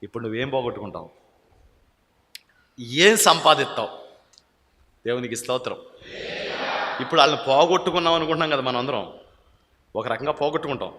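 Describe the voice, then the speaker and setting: Male pastor, Telugu accent, preaching in a reverberant church hall; a bright, forceful voice that quizzes the congregation. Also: medium pitch, fairly quick, pauses often. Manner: calls out questions to the congregation, urging loud answers. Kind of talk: sermon. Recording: echoey hall with long reverb.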